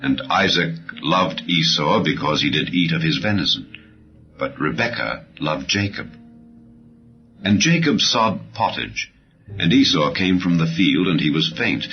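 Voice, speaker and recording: A man with a very deep voice narrates scripture for an audiobook. His delivery is solemn and measured, each phrase settling downward at its close. The sound is a little muffled, with music clearly playing underneath. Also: lively intonation. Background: background music.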